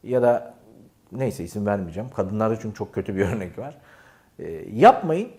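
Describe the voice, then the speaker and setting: A man talks straight to camera in an animated, teasing way, handing out self-improvement advice. His pitch swings widely as he acts out little examples. His tone is mellow and dark. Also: moderate pace.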